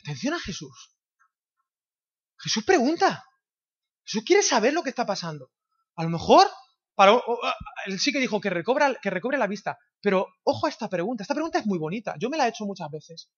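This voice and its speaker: A man's voice: high voice, big pitch swings, brisk, breathy edge. A man from preaching a sermon in a church, firing rhetorical questions at the congregation. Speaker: pastor. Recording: dull slightly lo-fi sound.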